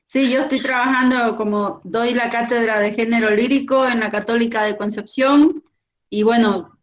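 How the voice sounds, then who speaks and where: A cheerful woman speaks as a poet and lecturer on a video call. Her voice sits a little high, and the call audio sounds dull and lo-fi. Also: steady tone, moderate pace. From Bolivia. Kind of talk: casual video-call chat.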